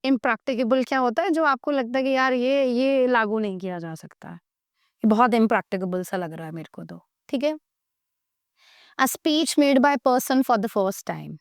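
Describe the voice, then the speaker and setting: Clear-voiced Indian woman teaching English. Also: fairly high pitch, no echo, clean studio sound. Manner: explains in Hindi, reads English definitions slowly, asks the class questions. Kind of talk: classroom vocabulary lesson.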